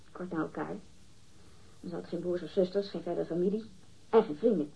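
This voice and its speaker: A woman's voice: mid-range voice, dark tone, husky. An actress in a radio drama playing a catty, defensive woman witness, disdainful and emphatic as she gossips. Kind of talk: acted radio drama dialogue. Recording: dull, muffled lo-fi radio recording.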